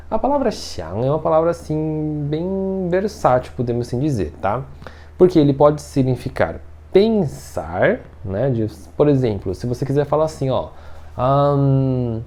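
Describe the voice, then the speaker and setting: A man's voice: medium pitch, mellow. A man teaching a casual lesson, chatty and explaining with everyday examples. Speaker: Mandarin teacher.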